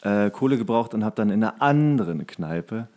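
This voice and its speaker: A man's voice: lowish voice, expressive, normal speed, dark tone. Young man chatting in rambling, joking style. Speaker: podcast co-host. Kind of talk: casual banter, storytelling.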